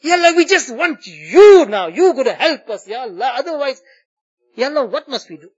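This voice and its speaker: A man with a very high-pitched voice leads a fervent Muslim supplication. He pleads emotionally, returning again and again to invocations of God, with a tearful delivery. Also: big pitch swings, a little fast, a little mellow, dull audio. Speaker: Muslim prayer leader. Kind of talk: impassioned supplication prayer. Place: mosque gathering.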